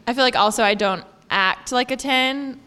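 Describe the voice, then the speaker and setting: Reserved young female co-host, very high and bright. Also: moderate pace, clear, resonant tone. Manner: reserved and low-key. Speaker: podcast co-host. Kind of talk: live podcast chat.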